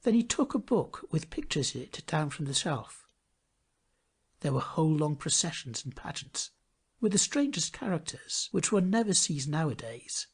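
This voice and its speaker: A man narrating a fairy tale from a script in an expressive, theatrical manner, often hushing his phrase endings. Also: on the high side, normal speed, husky. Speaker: storybook narrator.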